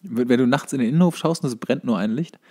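A man's voice: medium pitch, quick pace, dark tone. A young man co-hosting a podcast in casual banter, slipping in dry, joking asides. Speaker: podcast co-host.

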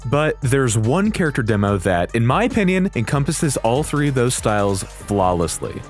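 A man giving casual, enthusiastic commentary in an excitable, slangy and emphatic way. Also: mid-range voice, moderate pace, faint music behind. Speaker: video creator giving commentary.

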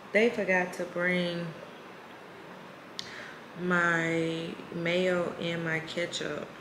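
A woman's voice: on the low side, reverberant, background noise. A woman vlogging from a hotel room, chatting candidly and swearing freely. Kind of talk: casual vlog chat.

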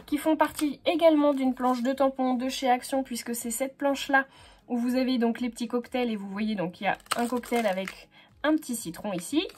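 A woman's voice: high-pitched, darkish tone. A woman hosting a casual scrapbooking tutorial, chatty and full of fillers and self-corrections.

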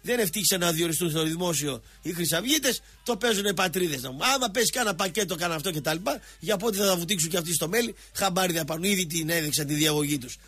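A man's voice: high-pitched, lively intonation, few pauses, a bit bright, husky. A middle-aged man, hosting a radio show with a sarcastic, rambling satirical rant. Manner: sarcastic, ranting, mocking voices. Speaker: radio sports show host.

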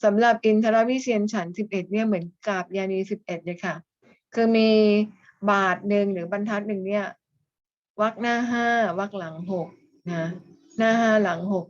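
A woman teacher giving a class lecture, explaining step by step and often adding soft polite endings. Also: mid-range voice, normal speed. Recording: slightly dull, lo-fi.

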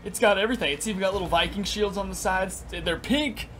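A young man in his twenties doing energetic, crude gameplay commentary in a small room, his voice raspy because he just woke up. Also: sits high, quick pace, noisy background. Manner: energetic, crude, rambling with lots of "like". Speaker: gaming YouTuber. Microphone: headset.

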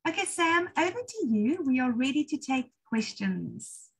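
South african lady teaching on a video call, a bit husky, higher voice, chatty and warm. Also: very animated, normal speed, poor audio. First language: English or Afrikaans. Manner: chatty, encouraging, self-deprecating. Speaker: IELTS trainer hosting a webinar. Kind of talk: webinar Q&A answers. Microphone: laptop video call.

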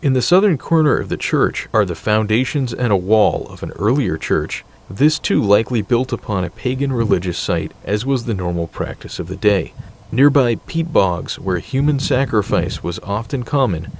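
A man giving scripted, measured narration for a history documentary, reading dates and figures evenly. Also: fairly low pitch, lively intonation, a little hiss or hum.

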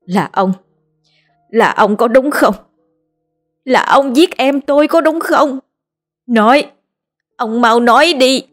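A woman's voice: high-pitched, slow pace, long pauses, soft background music, voice pushed up. A woman voicing a grieving, distraught lady of the house who cries out in anguish and accusation. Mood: furious. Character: grieving middle-aged mistress of the house, distraught and furious.

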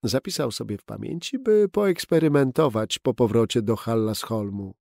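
Brief: male audiobook narrator, warm gravelly voice, dry close studio sound. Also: mid-range voice, moderate pace, dry recording. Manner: steady, expressive storytelling. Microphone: close studio mic.

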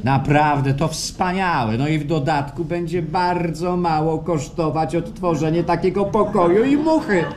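A man's voice: fairly high pitch, unhurried, few pauses, lightly acted. An actor playing an eager, probing, solicitous male official in a live radio play. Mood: delighted. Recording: noisy live stage recording.

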